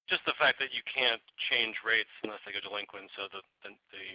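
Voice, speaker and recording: A man's voice: fairly low pitch, fairly quick, dry recording. A man asking questions as a financial analyst on an earnings call, polite and hesitant in his phrasing. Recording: dry, dull phone line.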